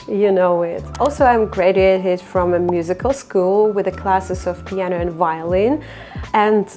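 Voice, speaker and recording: A woman's voice: mid-range voice, darkish tone. Chatty Russian-accented woman in her thirties. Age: 30s. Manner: chatty, reflective, non-native phrasing with fillers. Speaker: vlogger. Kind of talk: casual personal vlog.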